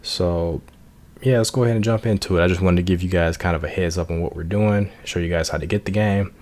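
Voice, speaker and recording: A man's voice: deep voice, fairly even intonation, fast talker, darkish tone. A man giving casual, informal and self-deprecating commentary as the host of a video game playthrough. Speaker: let's play host. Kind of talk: casual gaming commentary with read-out game text. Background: music.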